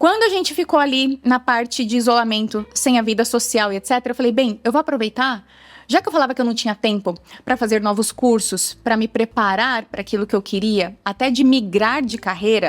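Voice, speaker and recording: A woman talks at a fairly quick pace with fairly high pitch and ordinary pitch variation. The recording is very clean with a silent background and a dry, close sound with no echo. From Brazil, São Paulo. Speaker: leadership and behavior consultant. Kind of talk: podcast interview.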